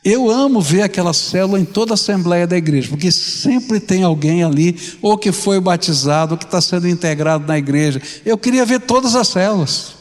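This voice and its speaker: A man's voice: high-pitched, expressive, fairly quick, hardly any pauses. An older Brazilian man preaching a fervent sermon to his congregation, often asking them direct questions. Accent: Brazilian Portuguese. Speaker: pastor. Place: large church sanctuary. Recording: long reverb of a large church hall.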